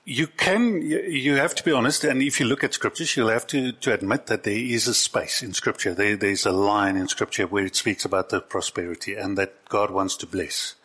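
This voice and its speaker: A man's voice: lowish voice, moderate pace, few pauses, a bit bright, slightly rough. A man preaching a conversational sermon to his congregation as pastor. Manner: conversational preaching, shifts into acted quotes.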